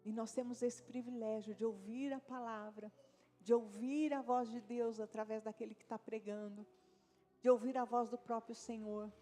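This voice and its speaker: A woman's voice: a little high, fairly even intonation, moderate pace, warm tone, faint music behind. A woman pastor with a Brazilian accent, preaching a sermon in a conversational way with frequent tag questions and asides to the congregation. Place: church service.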